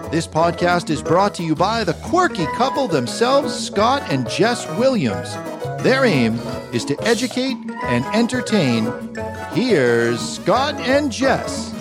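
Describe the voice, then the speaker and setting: Lively announcer voice over clear music. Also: mid-range voice, slow pace. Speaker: show announcer. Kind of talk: scripted announcement.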